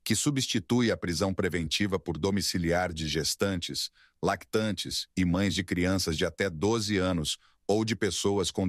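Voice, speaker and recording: A man's voice: deep voice, dry recording, clean studio sound. A Brazilian man delivering a scripted news report as a voice-over reporter.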